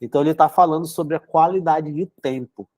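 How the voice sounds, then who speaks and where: A young man from the northeast hosts a live book club, talking casually and dotting his sentences with "né?". His nose is congested from a cold, and his voice is mellow and sits a little high for a man. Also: brisk, dry recording. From São Luís, Brazil. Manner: chatty, filler-heavy, frequent "né?". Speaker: psychotherapist hosting a book club. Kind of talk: casual live-stream talk and reading aloud.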